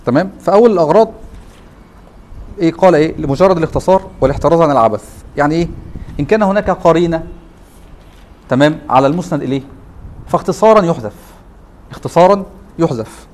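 A man with an Egyptian accent teaches a class at a brisk clip. His voice sits a bit high for a man. He keeps pausing to quiz his listeners with quick rhetorical questions. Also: darkish tone. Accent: Egyptian Arabic. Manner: quizzes students with repeated rhetorical questions. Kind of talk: classroom lecture.

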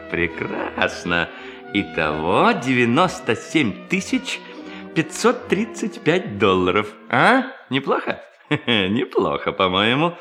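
A man's voice: mid-range voice, bright, forceful tone, full character voice. An actor playing a sly, gleeful male bank robber posing as a pious hermit in an audio drama, muttering and exclaiming to himself with self-mockery. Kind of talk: theatrical audio drama monologue.

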